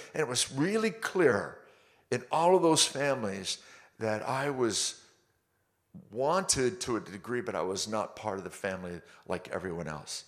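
A man with an American accent and vocal fry, very wide pitch swings and a moderate pace. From US West Coast, Los Angeles. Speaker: pastor. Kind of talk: sermon.

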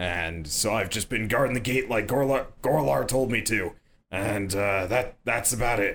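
Using a put-on character voice, a man speaks fairly slowly in a raspy tone at medium pitch. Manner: friendly, simple, chummy.

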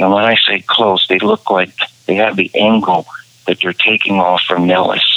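Against noticeable background noise, a man with an American accent and a fairly low pitch speaks at a moderate pace in a monotone, flat intonation, his loudness very even. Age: 70s. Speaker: UFO skywatcher and retired truck driver. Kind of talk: casual interview chat. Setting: remote call.

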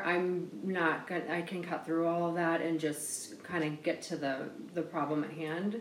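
A woman with an American accent speaks in a fairly low voice. Noticeable background noise and audible room echo fill the recording. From Chicago. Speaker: nurse practitioner. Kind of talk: interview. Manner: hesitant, many fillers.

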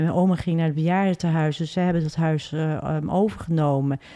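Moving at a moderate pace, a woman speaks in a dark, mellow tone. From grew up abroad (Ghana, Singapore), then Netherlands. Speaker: military psychologist. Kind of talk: interview. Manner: halting, many fillers.

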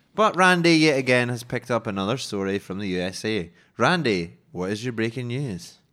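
In a very clean recording with a silent background, a man with a Scottish accent speaks at a moderate pace with hardly any pauses. His medium-pitched voice has a bright, sharp tone and lively intonation. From Scotland. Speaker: comedy podcast co-host. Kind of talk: casual comedic chat.

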